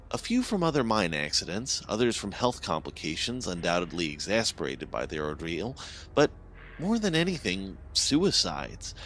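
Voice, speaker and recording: Low-voiced man narrating a horror story. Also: a bit bright, a little hiss or hum. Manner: dramatic, swells and drops for suspense.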